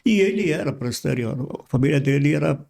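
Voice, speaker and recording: Gravelly older pastor. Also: male voice, fairly high pitch, animated, darkish tone. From Brazil. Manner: halting, repeats words while recalling. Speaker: pastor, podcast guest. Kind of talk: casual interview storytelling.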